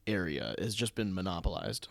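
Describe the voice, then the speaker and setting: A man's voice: deep voice, big pitch swings, moderate pace, gravelly, a bit bright, slight background noise. Man chatting casually as a podcast guest. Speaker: podcast guest, stage actor.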